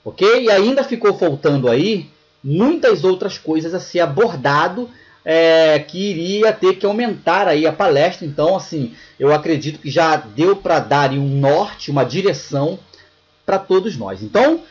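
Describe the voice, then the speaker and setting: Brazilian man, Brazilian Portuguese accent, high voice, relaxed lecturing, filler checks, muffled webcam sound. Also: moderate pace. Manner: casual, repeats filler checks like "tá bom?" and "né". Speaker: presenter of an online lecture. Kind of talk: slide-based lecture.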